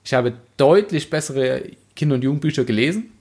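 A man's voice: mid-range voice, lively intonation, fairly quick, a little mellow. A man hosting a casual book discussion, reflective and often rephrasing himself as he goes. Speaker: podcast host.

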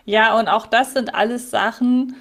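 A woman's voice: on the high side, steady tone, unhurried, a bit bright. A woman co-hosting a podcast, chatting in a reflective way about an old audio drama episode she heard as a child. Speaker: podcast co-host.

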